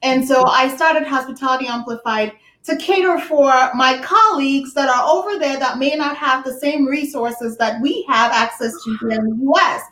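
Upbeat high-pitched woman from ghana, chatting as a guest on a call, roomy echo. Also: normal speed, hardly any pauses, bright, forceful tone. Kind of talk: casual interview chat. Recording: echoey room.

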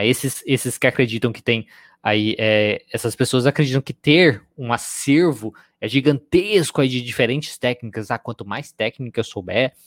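A man's voice: medium pitch, no echo, studio quality. A man with a Brazilian accent, a psychologist giving a conversational live-streamed lecture, often dropping in tag questions. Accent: Brazilian Portuguese. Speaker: psychologist teaching a live class.

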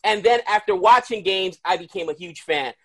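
A man from the Dominican Republic, a podcast guest on a video call, telling a story in animated, casual chat with loud outbursts. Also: high-pitched, normal speed, slightly rough.

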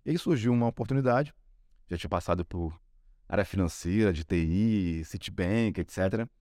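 In a casual podcast interview, a Carioca-accented man from Rio de Janeiro, Brazil, shares his career story as a sales executive. His deep, mellow voice moves at normal speed, he chats freely and frequently tags on questions, and the studio-quality sound has no echo.

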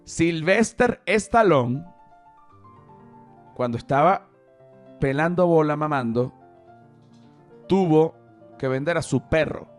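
A man's voice: a little high, unhurried, long pauses, soft background music. A man hosting a podcast, telling a story in a casual, profane monologue full of joking digressions. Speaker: podcast host.

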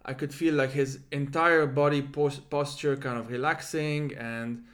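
A man's voice: mid-range voice, steady tone, measured pace, fairly bright tone. Man with rolled R's, thinking aloud. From Lebanon. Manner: discursive, circling through asides. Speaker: podcast host and interviewer. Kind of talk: reflective conversational interview talk.

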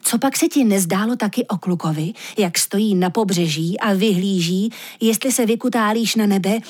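A woman voicing an anxious male magic reindeer who talks in a slangy, pleading way, with a husky voice. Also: mid-range voice, darkish tone, close to an everyday voice. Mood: urgent, pleading.

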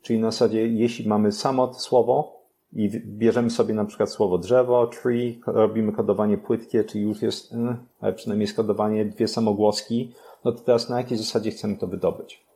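A young man, a podcast guest, explaining learning methods step by step, pausing on fillers and restarting his phrases. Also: on the low side, little pitch movement, warm tone.

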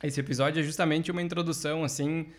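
A man's voice: on the high side, fairly even intonation, fast. A man co-hosting a podcast, reading out sponsors and chatting in an easygoing way. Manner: easygoing, filler-heavy "aí". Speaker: podcast co-host. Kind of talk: casual podcast chat.

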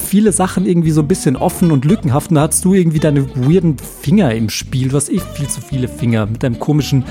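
A man's voice: a little high, fast talker, few pauses, dark tone. A man hosting a comedy podcast, improvising a sketch in exclamatory, slangy speech over music. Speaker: podcast host. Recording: music behind the voice.

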